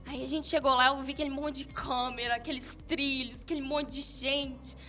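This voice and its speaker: A young woman from Minas Gerais with a Mineiro accent, a guest singer telling her story with animated, laughing self-quotes. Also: high voice, normal speed, faint music behind. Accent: Mineiro Brazilian Portuguese. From Minas Gerais, Brazil. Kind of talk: casual interview chat.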